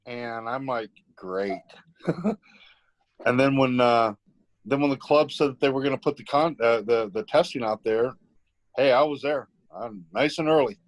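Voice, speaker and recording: A man's voice: mid-range voice, measured pace, no room sound, rough recording. A man chatting casually and enthusiastically, as a newcomer to a hobby does. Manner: eager, enthusiastic. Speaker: newly tested amateur radio hobbyist. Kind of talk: casual chat.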